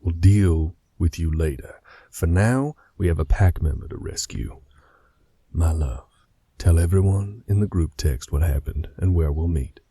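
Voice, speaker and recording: A man's voice: low-pitched, a little slow, warm tone, breathy edge, no room sound. A man voicing a protective male werewolf who speaks firmly and gives commands to his pack. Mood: resolute. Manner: firm and commanding. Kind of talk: audio drama acting.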